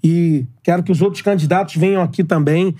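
A man's voice: sits high, steady tone, a little fast, mellow, dry recording, clean studio sound. A man, a guest in a podcast interview who talks earnestly and repeats his points. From Brazil. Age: 40s. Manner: earnest, repeats himself, speaks in slogans. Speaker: guest, club presidential candidate.

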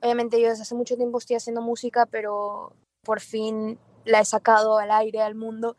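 A woman singer being interviewed, talking casually in a lively, quick way. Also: a little high, dry recording. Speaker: singer guest.

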